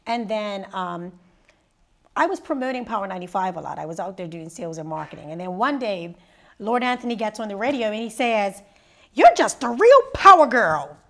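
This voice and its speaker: A woman in her thirties from Bermuda, a radio personality and mentor, telling her story in a sit-down interview with lively, rising energy. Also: a little fast. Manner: lively storyteller, rises high when excited. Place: living room set indoors.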